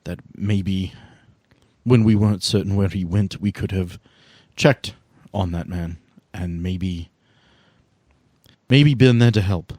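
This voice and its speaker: A man voicing a caring, firm female team leader with a measured, formal and earnest way of speaking in a tabletop game. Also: low voice, darkish tone, dry recording, clean studio sound. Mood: regretful.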